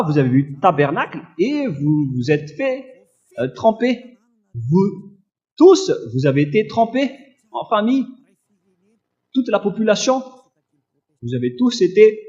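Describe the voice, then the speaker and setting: Male preacher, loud forceful sermon, high voice, very animated intonation, accusatory, scripture reading. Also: highs cut off. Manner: accusatory, admonishing.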